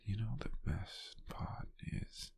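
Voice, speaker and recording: A British man playing a gentle, doting, softly teasing lover in an intimate, breathy, gravelly ASMR whisper, speaking slowly and soothingly. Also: fairly low pitch, wildly swooping pitch, heavily acted. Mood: tender, teasing. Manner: slow, soothing, with soft pauses.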